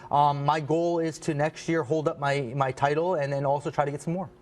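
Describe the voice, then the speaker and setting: Fast-talking man, higher-pitched, modest. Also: flat delivery. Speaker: interview guest, champion athlete. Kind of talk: casual interview answers. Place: TV studio.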